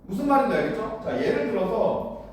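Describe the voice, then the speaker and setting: Guy teacher lecturing high schoolers, really high voice, keeps going "got it?", sounds far off from the mic. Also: sing-song, brisk, darkish tone. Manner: keeps checking understanding with rhetorical questions; blunt, casual, with mild slang. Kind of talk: classroom lecture. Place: lecture room. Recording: very echoey room, far from the mic, faint noise.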